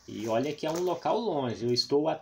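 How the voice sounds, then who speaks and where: A man's voice: on the high side, animated, a little fast, gravelly. Man vlogging through ruins, noisy recording. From Paraná, Brazil. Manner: chatty, addresses viewers, frequent tag questions. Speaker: vlog host. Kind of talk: casual exploration vlog narration. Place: abandoned roofless house and overgrown grounds. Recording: noisy handheld outdoor camera recording.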